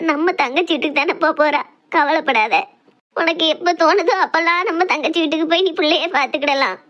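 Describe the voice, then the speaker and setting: A woman's voice: sits high, a bit bright, lo-fi sound. A woman voicing a fretting village mother, who consoles her family in a soothing way.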